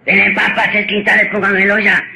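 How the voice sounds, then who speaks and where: A man's voice: high voice, monotone, quick pace, creaky, sharp tone, full character voice. A man playing a tribal chief who barks cooking orders in a radio joke. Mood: bossy. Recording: noisy old radio recording.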